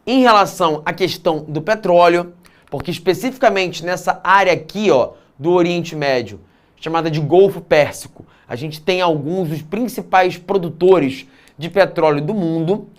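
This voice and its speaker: A man with a high-pitched voice teaches an exam-prep geography lesson at a moderate pace. He blends clear explanation with casual asides and often adds tag questions.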